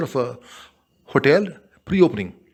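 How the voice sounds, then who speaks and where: A man with an Indian accent is heard on a very clean recording with a silent background. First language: Tamil. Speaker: hospitality professor. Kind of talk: storytelling. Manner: halting.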